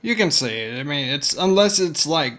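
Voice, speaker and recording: A man streaming a game, chatting in a relaxed way with brief replies and asides. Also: on the high side, moderate pace, faint music behind. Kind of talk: casual live-stream chat.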